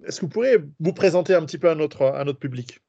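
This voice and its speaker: A man with a somewhat high voice hosts the interview, hesitating with fillers before quick runs of words. The sound is dry and close, with a dull, lo-fi quality. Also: animated, creaky, dark tone, no room sound. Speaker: host.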